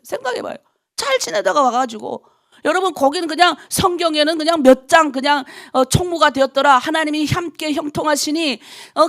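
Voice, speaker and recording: A woman pastor, middle-aged, preaches at a dawn prayer service. Her voice sits high, with a gravelly, fried edge, and she pushes her congregation with heated rhetorical questions. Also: a bit bright. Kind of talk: early-morning prayer sermon.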